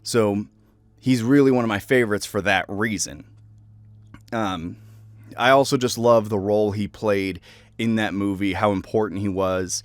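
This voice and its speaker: Speaking at a moderate pace in a lowish voice with no echo, a young man who works as a voice actor chats reflectively and casually about the roles he's played.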